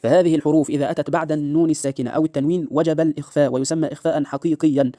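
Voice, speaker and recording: A man with an Egyptian accent teaching Quran recitation rules. He keeps checking in with listeners and slows into a drawn-out chant for each recited example. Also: on the high side, steady tone, dark tone, no room sound, studio quality. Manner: checks in with a repeated rhetorical "right?". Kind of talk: tajweed lesson with recited examples.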